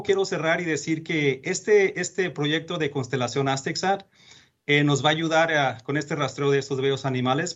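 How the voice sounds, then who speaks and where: A man's voice: on the high side, lo-fi sound. A Mexican man with a Mexican accent, a space agency executive, speaking earnestly as a guest in a radio interview. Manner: earnest, many fillers and restarts.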